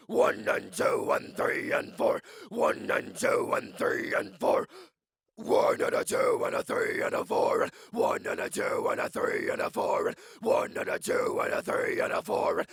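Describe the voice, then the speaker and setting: A man performing distorted false cord screams for extreme metal, a deep rasping growl with a menacing, anguished character. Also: huge pitch swings, unhurried, a crowd in the background, full character voice. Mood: rhythmic, strained.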